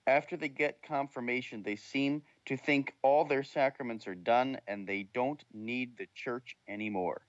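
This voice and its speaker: A man's voice: medium pitch, steady tone, moderate pace, hardly any pauses, no echo. Man, radio co-host, easygoing, reads out questions, dull muffled sound. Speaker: show producer and co-host. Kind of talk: radio talk.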